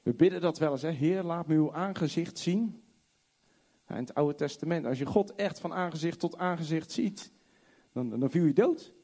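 High-voiced impassioned male preacher. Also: animated, slightly rough. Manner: impassioned, swings from loud high exclamations to hushed low tones; reads scripture aloud slowly and emphatically. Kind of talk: sermon.

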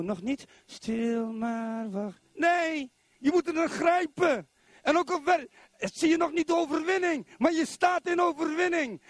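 In a church, a middle-aged man from Zwolle in the Netherlands delivers an animated sermon, constantly firing questions at the congregation. His voice is very high-pitched and carries no echo.

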